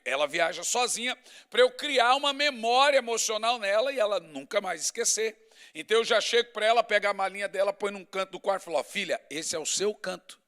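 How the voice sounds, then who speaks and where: Pastor guy preaching, high voice, chatty and emphatic, piles up lists. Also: pushed and bright. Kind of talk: sermon.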